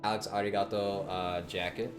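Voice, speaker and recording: A man chatting casually on a livestream in an informal, halting, conversational way. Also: on the low side, level tone, over music.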